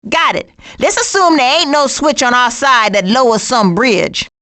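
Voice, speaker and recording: A woman voicing a sassy, streetwise, sarcastic female skunk with slangy wisecracks in an animated video game. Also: high-pitched, normal speed.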